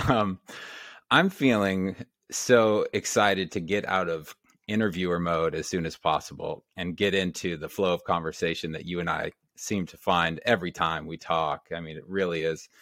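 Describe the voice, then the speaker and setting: A man with a notably deep voice hosts a podcast interview. He sounds upbeat and eager. The sound is dry and close, with no room echo. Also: fairly bright tone. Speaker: podcast host.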